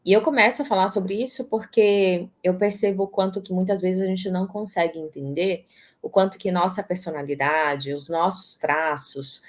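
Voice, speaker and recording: A woman's voice: fairly low pitch, normal speed. A woman from Salvador, talking expressively in an interview and often restarting her words. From Brazil, Salvador, Bahia. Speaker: guest, systemic positioning strategist. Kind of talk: casual interview talk.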